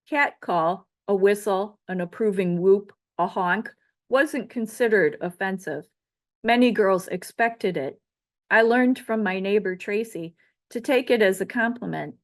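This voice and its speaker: A middle-aged woman from the Chicago area, reading her own memoir essay aloud in a measured, reflective way. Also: medium pitch. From Chicago area, United States. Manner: measured, reflective delivery of a prepared text. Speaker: author.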